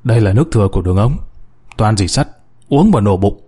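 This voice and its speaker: A man voicing an older male miner trapped underground, shouting and pleading. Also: lowish voice, expressive, quick pace, slightly rough. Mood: urgent.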